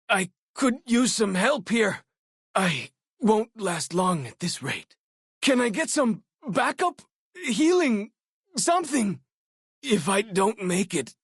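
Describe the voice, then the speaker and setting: Young tribal scout for a video game: earnest, wry, jumpy sidekick, slightly husky, unhurried delivery. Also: male voice, a little high, a bit bright, dry recording, studio quality, exaggerated voice. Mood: urgent, agitated. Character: eager young tribal scout, jumpy but loyal companion. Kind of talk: video game character voice acting.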